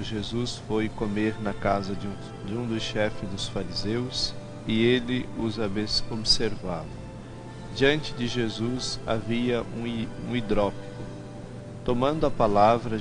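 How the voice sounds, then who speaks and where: A man in his thirties with a Brazilian Portuguese accent, a priest giving a daily gospel reflection in a small TV studio on a headset mic, speaking earnestly with frequent pauses and restarts. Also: on the low side. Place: small TV studio with cross backdrop.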